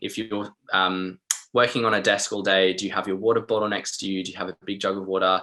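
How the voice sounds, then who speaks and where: The speech comes at a very fast pace in an Australian accent. Intonation stays monotone and flat. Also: man. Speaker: wellbeing workshop presenter. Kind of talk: online webinar presentation. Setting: webinar.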